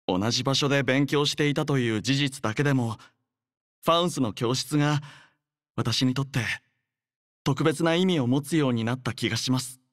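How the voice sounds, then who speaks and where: A man's voice: medium pitch, dry recording, natural voice. Man acting a courteous, devoted young soldier, close-miked. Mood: earnest, devoted. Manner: polite, soft-spoken, measured, sincere. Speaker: voice actor. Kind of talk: acted game character voice lines.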